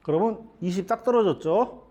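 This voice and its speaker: A man's voice: high-pitched, normal speed, dark tone, muffled recording. A middle-aged man teaching billiards at the table, explaining each shot step by step and asking his students questions as he goes. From South Korea. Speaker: billiards instructor. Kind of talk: demonstration lesson.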